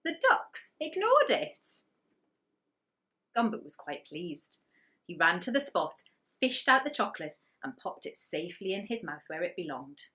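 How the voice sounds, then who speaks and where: Lively, bright-voiced woman reading a children's story. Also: fairly low pitch, measured pace. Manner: dramatic emphasis, stretching key words. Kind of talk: expressive children's story narration.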